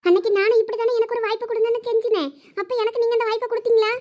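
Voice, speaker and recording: A woman playing a proud, tearful young wife; thin, very high voice, Thoothukudi Tamil accent. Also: steady tone, racing, dull audio. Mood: hurt. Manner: reproachful, insistent. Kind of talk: cartoon voice acting.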